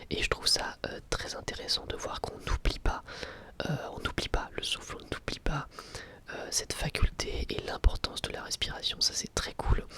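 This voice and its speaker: A man's voice: mid-range voice, sharp tone. Whispering man, ASMR style. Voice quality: breathy, mostly unvoiced whisper. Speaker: ASMR channel host reviewing anime.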